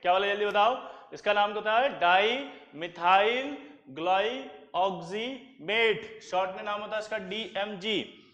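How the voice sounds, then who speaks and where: A man's voice: high voice, flat delivery, fast, fairly bright tone. A man teaching chemistry in a classroom lecture, drilling students with repeated questions and answers. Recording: echoey classroom with long reverb.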